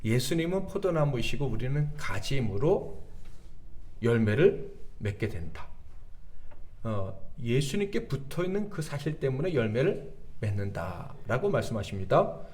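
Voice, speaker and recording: Male pastor of medium pitch, preaching a lively sermon and pressing the congregation with questions. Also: normal speed. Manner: lively, rhetorical questions to the congregation, calls for amen. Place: church sanctuary.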